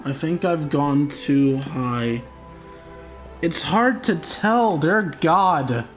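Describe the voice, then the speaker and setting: A man's voice: on the high side, expressive, drawn-out words, soft background music. Chatty young man narrating his gameplay. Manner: chatty, self-mocking, swears when frustrated. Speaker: gamer. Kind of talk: let's-play commentary.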